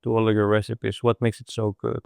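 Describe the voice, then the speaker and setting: Low-voiced man from Greece, interviewing. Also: flat delivery, brisk, creaky, darkish tone, clean tone, dry recording, studio quality. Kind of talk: casual interview.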